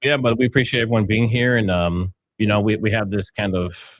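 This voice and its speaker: A man with a plain, everyday voice talks at a fairly quick pace and a fairly low pitch. The sound is dry and close with no echo. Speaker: livestream co-host. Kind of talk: live stream chat.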